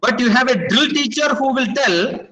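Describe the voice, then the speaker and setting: A man from Kerala with a Malayalam-accented Indian English lectures over a video call, his voice pitched very high with a bright, forceful edge. He wanders from anecdote to anecdote and keeps asking his listeners whether they understood, with a faint hiss behind him. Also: lively intonation, moderate pace, poor audio. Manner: anecdotal and rambling, with frequent check-in questions. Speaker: guest speaker. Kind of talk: webinar lecture.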